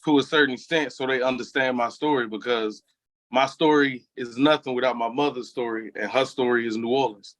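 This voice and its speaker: A man's voice: medium pitch, steady tone, a little fast, fairly bright tone. A man from Memphis, a guest in a casual interview who speaks frankly and reflectively. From Memphis, Tennessee.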